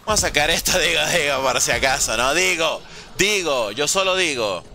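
A man's voice: a little high, expressive, a little fast, sharp tone, a little hiss or hum. A young man streaming a zombie game live, playfully joking, teasing his chat and swearing as he plays. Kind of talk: live gaming commentary, reading chat.

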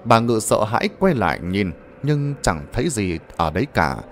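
A man's voice: on the low side, sing-song, normal speed, a little hiss or hum. A man narrating a ghost story in a dramatic, suspenseful manner.

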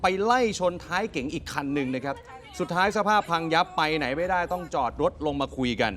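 A male evening news anchor with a somewhat high voice, rattling through the story at a fast clip. He talks to viewers directly, animated and full of exclamations, in a chatty presenting style. Clean studio sound. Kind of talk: lively conversational news presenting.

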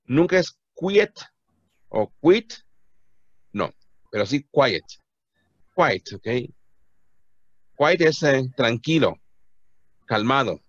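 Lively patient male English teacher. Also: medium pitch, no room sound, dull audio. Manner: patient, repeats words slowly for pronunciation. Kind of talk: classroom teaching, mixing Spanish and English. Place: classroom.

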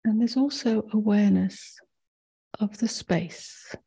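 Hushed, breathy woman guiding a slow meditation. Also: mid-range voice. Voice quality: soft, breathy, near-whisper. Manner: hushed, gentle, unhurried with long pauses. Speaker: meditation teacher. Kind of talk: guided meditation.

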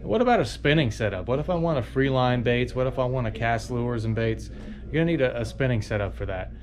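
A man's voice: medium pitch, expressive, fast, over music. A man hosting a casual fishing gear vlog, chatting with enthusiasm about rods and hooks in a tackle shop. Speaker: fishing charter captain and channel host.

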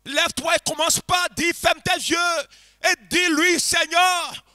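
A man preaching a revival sermon to a congregation, passionately shouting and chanting repeated phrases and leading them in prayer. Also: very high-pitched, steady tone, unhurried, faint music behind. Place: church congregation.

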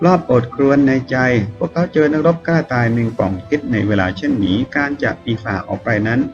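A man narrating a novel in a steady reading voice, now and then correcting himself. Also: mid-range voice, brisk. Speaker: audiobook narrator. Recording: slightly dull recording with soft music. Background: soft background music.

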